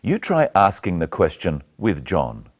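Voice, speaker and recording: A middle-aged man presenting a scripted English lesson, speaking slowly and clearly into a lapel mic. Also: low voice, huge pitch swings. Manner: slow, clear, carefully spoken. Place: small studio set, indoors.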